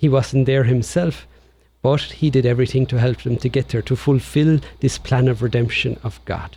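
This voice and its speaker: In a Tipperary accent, a man speaks at a moderate pace with a somewhat breathy, dark, mellow tone of medium pitch and fairly even intonation, recorded very cleanly with a silent background. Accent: Irish, Tipperary. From County Tipperary, Ireland. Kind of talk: radio interview.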